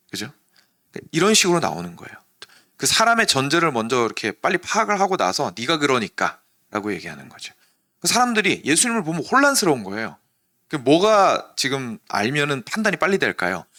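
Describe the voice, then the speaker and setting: A male pastor, possibly with a Busan accent, preaching an early-morning sermon and acting out quoted questions in a sharp voice. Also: fairly high pitch. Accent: Busan Korean.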